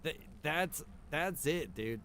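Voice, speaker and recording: A man's voice: fairly high pitch, animated, slow, a bit bright. Casual male gamer, noisy background. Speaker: streamer, roleplay gamer. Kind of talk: casual in-character roleplay chat while gaming.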